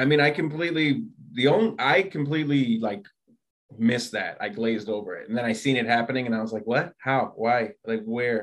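A man with a plain, everyday voice speaks at a fairly quick pace, his pitch medium with ordinary variation. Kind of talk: casual chat. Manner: blunt, profane.

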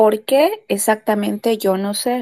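The voice has a dark, mellow tone and ordinary pitch variation, recorded with a dry, close sound with no echo. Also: woman. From Cochabamba, Bolivia. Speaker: participant sharing stories. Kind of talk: personal storytelling.

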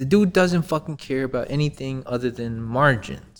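A man with a fairly high pitch talks at a moderate pace in an ordinary speaking voice with lively intonation, on a very clean recording with a silent background. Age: 30s. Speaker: cannabis entrepreneur. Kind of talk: casual chat.

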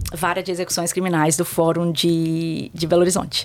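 Here is an ordinary speaking voice at a moderate pace. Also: woman. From Minas Gerais, Brazil (Barbacena). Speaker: cleaning company manager, former lawyer. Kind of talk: casual interview.

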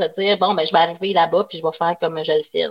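A woman is speaking. She has a slight Saguenay accent. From Quebec, Lac-Saint-Jean / Saguenay. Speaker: metal singer and voice actor. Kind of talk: casual chat.

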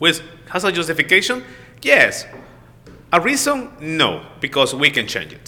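Delivered at a moderate pace in a Salvadoran accent, the speech has very wide pitch swings over noticeable background noise. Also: man, high pitch for a man. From El Salvador. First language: Spanish. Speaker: entrepreneur. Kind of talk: casual chat. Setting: studio.

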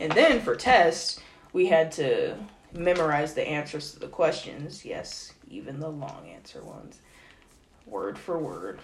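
Over noticeable background noise, a woman speaks at a fairly slow pace with big swings in loudness. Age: 20s. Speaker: beginner language learner. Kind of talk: casual chat.

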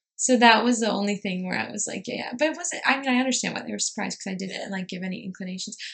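A woman at a very fast pace, fairly high in pitch with ordinary variation, loudness swinging widely, amid noticeable background noise. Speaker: podcast host. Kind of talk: casual chat. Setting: Annapolis bedroom, in person.

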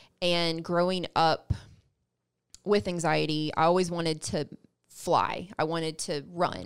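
A woman speaks at a fairly low pitch with a Southern US accent. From Alabama, US South. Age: 30s. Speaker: yoga instructor. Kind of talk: casual interview.

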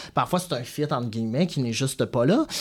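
In a plain, everyday voice, the speaker talks at a fairly quick pace with ordinary pitch variation. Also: man. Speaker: family lawyer. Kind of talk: interview.

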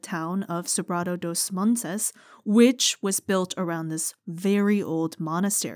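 Here a woman with an American accent speaks in a plain, everyday voice at medium pitch. Her pace is fairly slow, in a very clean recording with a silent background. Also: dry, close sound with no echo. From United States. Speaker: podcast host. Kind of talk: casual podcast chat.

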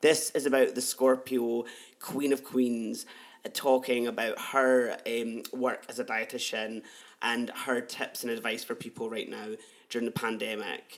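A man with a medium pitch speaks with a Scottish accent. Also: fairly slow pace. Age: 20s. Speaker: podcast host. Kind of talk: casual chat. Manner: animated.

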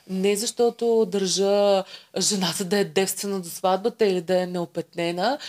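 A woman in an ordinary speaking voice talks at a fairly slow pace with fairly even intonation and medium pitch, the sound dry and close with no echo. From Bulgaria, Karnobat. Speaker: reality show contestant. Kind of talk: casual interview.

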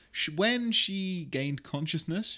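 A man's voice rises and falls in very wide pitch swings. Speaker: game master and podcast co-host. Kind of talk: casual chat, recorded podcast banter.

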